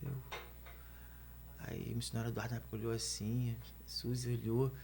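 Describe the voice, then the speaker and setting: A man with a Brazilian Portuguese accent, a guest preacher telling his story fast, with stumbling restarts. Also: mid-range voice, flat delivery, gravelly, background noise. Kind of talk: animated storytelling in conversation.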